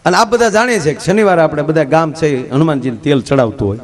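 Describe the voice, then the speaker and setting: A man, performing on a live stage as a folk comedian. His voice sits high for a man. He plays every character in his anecdotes himself and slides into rousing, preachy appeals to the crowd. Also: fast talker. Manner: storytelling, acting out dialogue, turns preachy and rousing. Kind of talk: stage folk humor with a moral talk.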